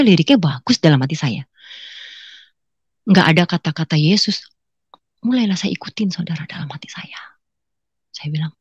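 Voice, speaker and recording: A woman shares her personal testimony before a congregation in a mid-pitched voice, recorded dry and close. She tells her story with lively energy and slips into casual slang when she acts out what others said. She keeps turning to her listeners as brothers and sisters. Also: dry recording. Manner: acts out quoted dialogue in colloquial slang. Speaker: testimony speaker.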